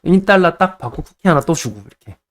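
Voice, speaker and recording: Brief: young male host, brisk chatty dating-advice monologue, slightly raised pitch, acts out bits of dialogue. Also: animated. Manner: chatty, playfully acts out little scenes with dialogue.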